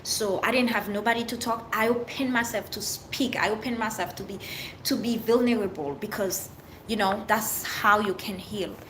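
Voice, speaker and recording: A woman's voice: mid-range voice, moderate pace, fairly bright tone, rough recording. Livestream host: middle-aged Haitian woman, French accent, candid and earnest, faint background hiss. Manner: open, earnest, speaks in short fragments with restarts. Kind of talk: casual livestream chat answering viewers.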